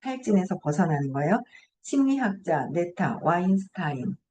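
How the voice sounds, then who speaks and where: A woman's voice: on the low side, very animated, moderate pace, warm tone, a little hiss or hum. A middle-aged woman hosting a morning book talk, reading passages aloud and reflecting on them chattily. She often asks herself questions and laughs as she goes. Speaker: host.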